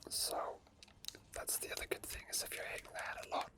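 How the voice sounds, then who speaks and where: A man speaks in a soft, breathy whisper throughout, with barely any voicing. He gives unscripted ASMR commentary on a video game as he plays. His delivery is murmured and hesitant, full of small asides. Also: quick pace. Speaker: game streamer.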